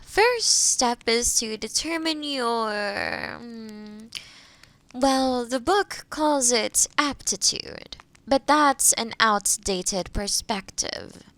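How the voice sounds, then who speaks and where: A woman playing a kind, skilled witch in an intimate roleplay audio drama, gently reassuring, with soft near-whispers and thoughtful murmurs. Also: on the high side, drawn-out words, exaggerated voice. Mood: patient explaining.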